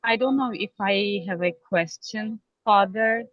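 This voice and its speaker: A tired, exhausted woman calling in to a spiritual teacher over a bad connection, speaking haltingly and apologetically and repeating her words. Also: medium pitch, no room sound. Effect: bad call connection. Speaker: caller asking a spiritual teacher. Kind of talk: hesitant questions on a call. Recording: dull, dry call line.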